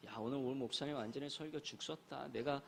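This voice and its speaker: A man's voice: medium pitch, fast, vocal fry, a little hiss or hum, close to an everyday voice. A man voicing a middle-aged father who complains and gripes about the church service on the drive home. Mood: grumbling. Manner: complaining, exasperated.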